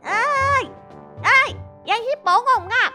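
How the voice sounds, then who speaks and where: A woman's voice: very high-pitched, very animated, moderate pace, voice pushed up. A woman voicing a grumpy little meerkat who mocks and scolds from its burrow. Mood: irritated, mocking. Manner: rude, mocking. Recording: music underneath.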